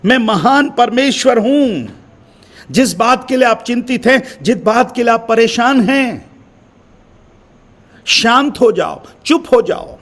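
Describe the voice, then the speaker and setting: Slow-preaching high-voiced male pastor. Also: a bit bright. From India. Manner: slow, emphatic preaching with repeated refrains; addresses listeners as beloved brothers and sisters. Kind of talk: sermon.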